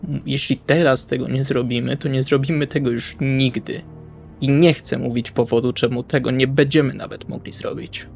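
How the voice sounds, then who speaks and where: A man with a medium-pitched, steady, creaky voice at a moderate pace plays a blunt, exasperated male vampire in an improvised tabletop roleplay, lightly acted, with music behind him. He's practical and impatient, speaking colloquially with swearing and hesitant phrasing.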